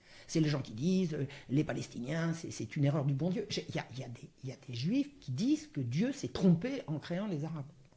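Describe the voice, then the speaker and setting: A woman's very deep, low voice, somewhat breathy with a dark, mellow tone, lively intonation, a fairly quick pace and hardly any pauses. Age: 70s. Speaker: historian and author. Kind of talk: interview.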